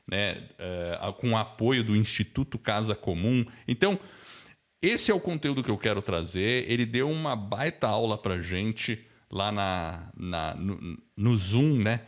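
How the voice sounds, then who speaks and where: Low-voiced Brazilian man hosting online. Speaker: podcast course host and mentor. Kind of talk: casual spoken introduction to an online lesson.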